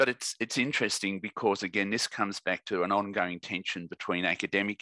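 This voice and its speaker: Very deep, low male speech in an Australian accent, bright and sharp in tone, at a fairly quick pace, dry and close with no echo, over a quiet background. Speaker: history professor. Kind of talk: interview. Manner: halting.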